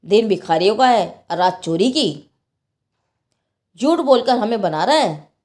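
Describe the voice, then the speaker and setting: A woman voicing a stern, suspicious male night watchman in a told story, sharp and accusing. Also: medium pitch, lively intonation, unhurried, close to an everyday voice.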